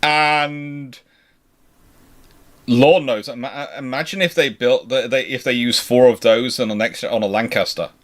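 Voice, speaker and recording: A man's voice: medium pitch, fairly even intonation, a little slow, a bit bright. A man hosting an unscripted history discussion, talking discursively and emphatically and often correcting himself. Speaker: naval history show host.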